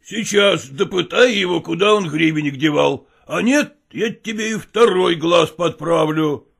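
A woman doing a creaky, bullying brute of a husband. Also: on the low side, a little slow, voice pushed up, exaggerated voice. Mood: angry threatening. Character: rough, bullying working-class husband, grown man. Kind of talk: audiobook character reading.

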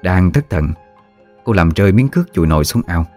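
A man narrating a ghost story in a measured, hushed way. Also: low-pitched, expressive, soft background music.

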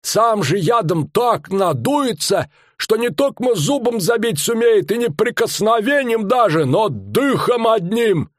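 A man voicing a loud, boastful middle-aged male fairground barker with rustic old-fashioned speech and drawn-out showman's patter. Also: high-pitched, big pitch swings, no room sound, studio quality, voice pushed up, full character voice.

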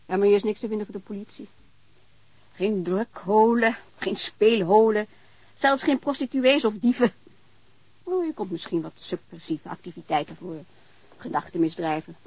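A woman's voice: mid-range voice, moderate pace, a little mellow, no echo, lightly acted, rough recording. An actress playing a blunt, teasing and informal landlady in a naturalistic radio drama. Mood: wry, frank. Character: outspoken, unconventional landlady, informal and hospitable, wary of police.

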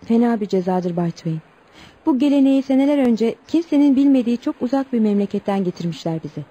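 A woman's voice: fairly high pitch, animated, fast, dark tone, lo-fi sound. An actress playing an earnest young tribal woman who tells her story politely but with indignation in a Turkish radio play. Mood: grave, bitter. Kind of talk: Turkish radio theatre acting.

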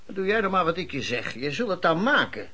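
Radio play con man: animated, husky, forceful patter, condescending and persuasive. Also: high voice, a little fast, exaggerated voice. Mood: coaxing. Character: slick, dapper male con man, pushy and patronising. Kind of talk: Dutch radio drama acting.

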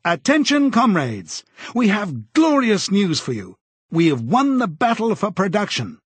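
A man's voice: high-pitched, wildly swooping pitch, measured pace, husky, no echo, voice pushed up, full character voice. A man reading aloud, voicing an eager, youthful male broadcast announcer who proclaims everything with zeal. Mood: zealous. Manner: proclaiming, zealous.

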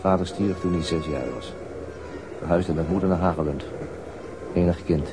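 A man's voice: low voice, moderate pace, over music, natural voice. An actor playing a stern, methodical male police interrogator in a radio crime drama, with clipped, formal and insistent questioning. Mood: dry, muttering.

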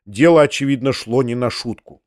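Brief: male narrator, mid pitch, measured literary reading, dry booth sound. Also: darkish tone, no echo. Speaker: audiobook reader.

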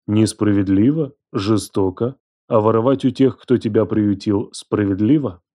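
Male reader voicing a cold, controlling man; slow, measured, dark tone. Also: on the low side, lightly acted. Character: cold, domineering young man, the narrator himself.

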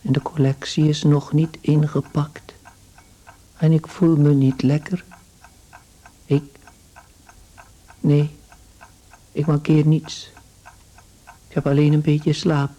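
A man's voice: a little high, flat delivery, slow, long pauses, mellow, rough recording. An actor playing a weary, anxious salesman turned insect, muttering to himself in a radio play monologue.

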